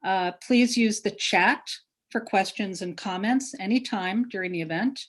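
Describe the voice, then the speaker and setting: A woman's voice: mid-range voice, unhurried. Woman hosting an online event. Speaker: event organizer introducing a panel. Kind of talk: housekeeping announcements to an online audience. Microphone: video call.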